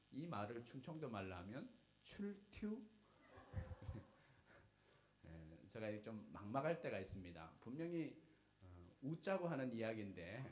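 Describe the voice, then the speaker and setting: A middle-aged Korean pastor preaching a Sunday sermon, filling pauses with "uh" and rising to loud, emphatic calls. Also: male voice, mid-range voice. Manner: fills pauses with "uh", jokes with the congregation, swells to loud emphatic calls.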